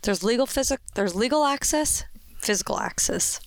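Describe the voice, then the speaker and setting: A woman's voice: a little high, animated, moderate pace, no echo. An American woman co-hosting a show with casual, chatty, playful and informal talk. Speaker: co-host of a land investment show. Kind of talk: casual chat.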